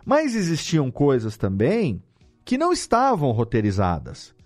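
A Brazilian man talking casually as an interviewed audio editor, explaining things in an animated way with rhetorical questions. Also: medium pitch, a little slow, faint music behind. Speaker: audio drama editor and podcast guest.

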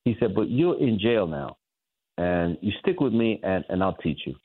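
A man, a guest on a radio talk show, telling a story with lively acted-out voices. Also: deep voice, moderate pace, breathy edge. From New York. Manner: animated storyteller acting out voices of others. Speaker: guest author. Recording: tinny phone line.

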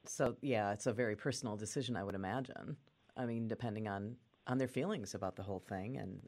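A man hosting an interview, gently inviting a guest to share her story. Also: medium pitch. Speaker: host.

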